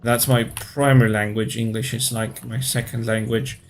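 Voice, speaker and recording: A man in his thirties from Poland, speaking English with a Polish accent in a casual live-stream chat, pausing often to search for words. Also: mid-range voice, flat delivery, slight background noise. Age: 30s.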